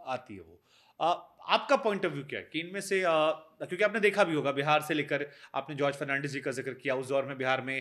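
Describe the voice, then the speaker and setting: The speech moves at a moderate pace with ordinary pitch variation. Loudness swings widely. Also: man, fairly high pitch for a man. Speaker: news anchor and podcast host. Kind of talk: casual interview. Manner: fresh even after long interview.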